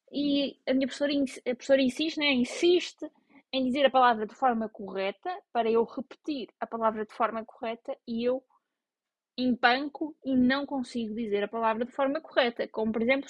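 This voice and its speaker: A young woman with a European Portuguese accent talks to her viewers in a loose, self-mocking way. Her voice sits a little high, and the recording is close and dry, with no room sound. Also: no echo. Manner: chatty, self-mocking, animated. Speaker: vlogger. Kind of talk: casual chat to camera.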